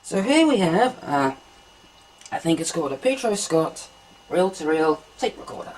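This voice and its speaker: A woman with a lowish, mellow voice talks calmly through each step as she handles an old machine indoors. Her tone is relaxed and explanatory, and a faint hum sits underneath. It sounds like a casual home demo. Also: normal speed, rough recording. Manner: calm step-by-step explaining while handling equipment. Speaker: hobbyist vlogger. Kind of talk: casual demonstration narration.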